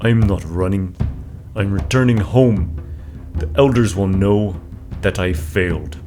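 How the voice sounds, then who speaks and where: A man's voice: sits low, measured pace, over music. A man voicing a grave, formal shaman warrior. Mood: solemn. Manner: solemn, formal. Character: grave male shaman warrior, dry humor.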